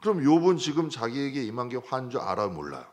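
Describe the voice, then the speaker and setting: A male pastor preaching a midweek sermon in a conversational way, swinging between loud outbursts and soft asides, acting out prayers and dialogue. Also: mid-range voice, very animated, fast. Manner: acts out prayers and dialogue in a raised voice.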